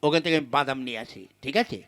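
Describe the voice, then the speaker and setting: A man's voice: mid-range voice, very fast, fairly bright tone, lightly acted. A man playing a nervous but indulgent husband in a puppet-show comedy, talking cautiously and explaining himself. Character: nervous, indulgent husband wary of being seen. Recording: music under the dialogue.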